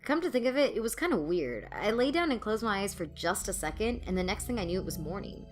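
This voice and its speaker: A woman's voice: medium pitch, sing-song, fast, over music, close to an everyday voice. A woman playing a blunt, exasperated female student who narrates and acts in an audio drama, with a dry sardonic manner. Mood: weary, irritated. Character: exasperated, sarcastic female student, narrator of her own story.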